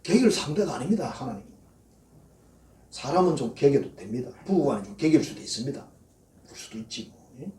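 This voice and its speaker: Here the pastor sounds warm and very animated, speaking briskly at medium pitch and pausing often. He tells folksy stories from the pulpit of a church sanctuary and acts out quoted prayers in a mocking voice, captured from afar amid the hall's echo.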